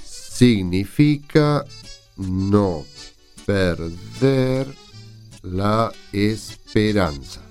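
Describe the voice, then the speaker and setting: A man's voice: fairly low pitch, expressive, very slow, a little mellow, soft background music, exaggerated voice. An actor playing a sleepless, impatient Argentine man cramming for an exam in a radio drama, with a blunt colloquial manner. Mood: slow, copying.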